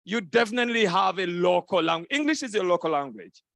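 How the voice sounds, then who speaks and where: On a conference hall stage, a man hosts a live youth event, playfully teaching the crowd greetings and repeating phrases back with them in lively interaction. His high-pitched voice is fairly quick and fairly bright with lively intonation, and there's no echo.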